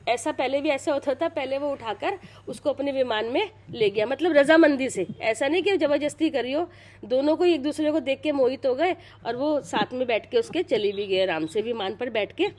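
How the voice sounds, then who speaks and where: This middle-aged woman narrates a Purana to a few listeners in a relaxed, rambling way, her high voice a little mellow and her pace moderate. She repeats herself, begins sentences over, and stops occasionally to confirm the group is with her.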